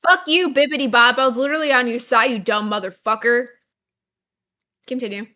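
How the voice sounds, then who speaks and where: A woman co-hosting a livestream, teasing and sharp-tongued, swearing freely in casual chat. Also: on the high side, a little fast. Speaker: livestream co-host.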